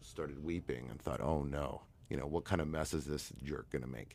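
With vocal fry, a man speaks at a moderate pace in a very deep, low pitch with ordinary pitch variation. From Canada. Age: 40s. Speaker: bishop and hypnotherapist. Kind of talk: casual interview.

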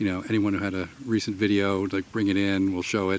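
A man with an American accent speaks in a plain, everyday voice, fairly low in pitch and at a fairly quick pace. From Madison, Wisconsin. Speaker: film critic. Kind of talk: casual interview. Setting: outdoors in a park.

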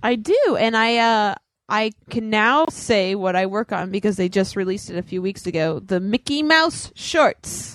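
A woman with a normal speaking voice and fairly high pitch speaks at a moderate pace with lively intonation, recorded with a dry, close sound with no echo against a quiet background. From Italian-American. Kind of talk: casual banter, comedic chat.

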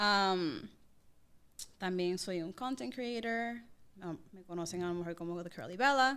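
This woman has a medium pitch and lively intonation, with big swings in loudness. She talks at a fairly slow pace, leaving long, frequent pauses. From Puerto Rico, Bayamón. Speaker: marketing executive and content creator. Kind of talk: casual chat.

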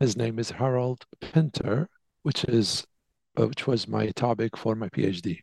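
A man with an Iraqi accent speaks at a fairly slow pace with ordinary pitch variation, the sound dry and close with no echo. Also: medium pitch for a man. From Iraq, Basra. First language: Arabic. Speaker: professor and translator. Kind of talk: interview.

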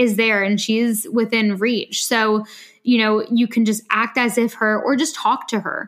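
In a plain, everyday voice, a woman speaks at a moderate pace with fairly high pitch and fairly even intonation. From Canada. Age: 20s. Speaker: lifestyle brand founder. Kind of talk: casual interview chat.

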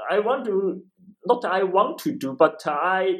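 With a Chinese accent, a man talks at a very slow pace in a high-pitched voice. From eastern China. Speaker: history professor. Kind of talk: interview. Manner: halting, with repetitions.

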